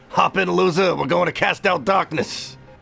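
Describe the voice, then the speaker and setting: A man puts on a high-pitched character voice at a moderate pace. Faint music plays in the background. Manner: cocky, jokey.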